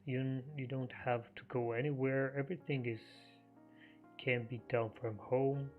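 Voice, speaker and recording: A man's voice: mid-range voice, level tone, soft background music. Man on a tinny phone-like line. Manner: halting, many fillers and restarts. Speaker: live trading stream host. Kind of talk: casual chat.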